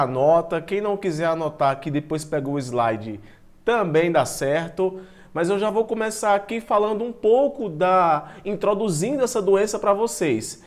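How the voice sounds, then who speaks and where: A man's voice: sits high, a little mellow. A man giving an informal online lecture, reading from slides and commenting in a chatty way, sometimes tripping over technical words. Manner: stumbles and restarts over long technical words, self-deprecating; chatty, addresses students directly. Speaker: biology teacher presenting an online class.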